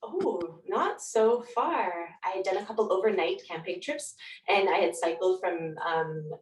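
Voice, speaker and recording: A woman's voice: lowish voice, unhurried, slight background noise. Woman, informal reflective storyteller, roomy sound, away from the mic. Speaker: guest author. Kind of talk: casual conversational interview. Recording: roomy echo, distant from mic.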